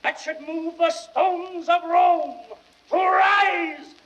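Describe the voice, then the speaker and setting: An actor playing a grieving Roman orator rousing a crowd in impassioned theatrical Shakespearean declamation. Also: male voice, extremely high pitch, fairly even intonation, highs cut off, heavy background noise, heavily acted. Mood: rousing, fiery. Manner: impassioned, drawn-out, swelling from hushed to shouted.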